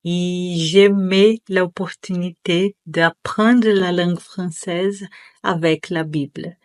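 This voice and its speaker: Calm Brazilian woman giving a testimonial. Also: fairly low pitch.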